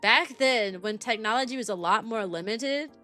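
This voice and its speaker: Female streamer, high voice, rambling casual talk, music playing behind her. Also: normal speed, pushed and bright. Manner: rambling, repeats phrases for emphasis. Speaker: livestream host; kindergarten teacher. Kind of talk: casual livestream chat. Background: background music.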